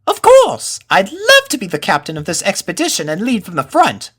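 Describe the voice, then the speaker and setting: Man putting on a high, swooping young colt voice. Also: huge pitch swings, normal speed, fairly bright tone, slightly rough, exaggerated voice. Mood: wary bravado. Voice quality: high-pitched put-on child voice. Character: young boy pony colts, chatty and uneasy adventurers.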